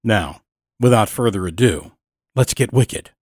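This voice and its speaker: A man's voice: fairly low pitch, animated, unhurried, darkish tone, husky, dry recording, studio quality. A man hosting a podcast, reading a scripted introduction. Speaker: podcast host.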